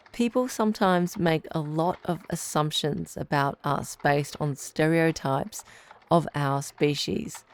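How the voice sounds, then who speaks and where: A woman playing a calm, supportive radio advice doctor, speaking in a deliberate, reassuring way. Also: sits low. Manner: reassuring, deliberate, clearly phrased. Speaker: radio call-in show host. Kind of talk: radio advice show, measured delivery.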